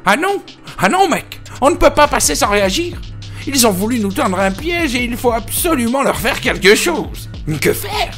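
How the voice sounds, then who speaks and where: A man voicing a cocky, mischievous young pig in a cartoon fable, talking in excitable, bragging slang. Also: very high-pitched, normal speed, soft background music, voice pushed up, exaggerated voice. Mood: cocky, indignant.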